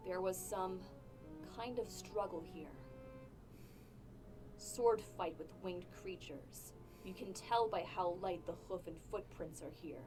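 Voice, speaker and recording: A woman's voice: fairly low pitch, slow, over music. A woman voicing a self-assured tracker studying clues in a cartoon. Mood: investigating.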